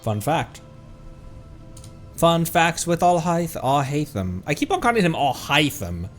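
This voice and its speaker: A man's voice: a little high, big pitch swings, unhurried. A man doing casual gameplay commentary as a streamer, chatty and thinking aloud. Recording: game music behind voice. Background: video game music.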